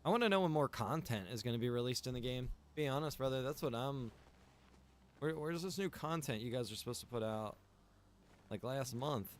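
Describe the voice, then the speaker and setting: A man's voice: medium pitch, expressive, fairly quick. A man chatting casually on a live game stream, rambling as he thinks aloud. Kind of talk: casual live-stream chat while gaming. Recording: clear background noise.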